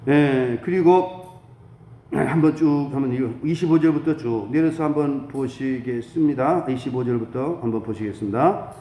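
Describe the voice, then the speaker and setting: A man's voice: medium pitch, normal speed, dark tone. A man preaching a sermon as a pastor, fervent and exhortatory, posing rhetorical questions and answering them himself. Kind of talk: dawn prayer sermon. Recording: echoey room with faint background noise.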